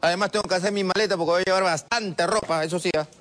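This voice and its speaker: A man's voice: sits high, steady tone, racing, fairly bright tone. A man in a comic phone sketch, easygoing and gullible, soothing his friend.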